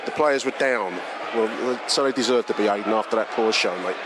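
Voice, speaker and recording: A man's voice: lowish voice, fairly quick. A man, nasal from a cold, giving rambling, sardonic fan commentary on a match. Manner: rambling, sardonic, frequent ums. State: nasal with a cold and sore throat. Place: outside a football stadium. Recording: noisy outdoor stadium recording. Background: stadium and street noise.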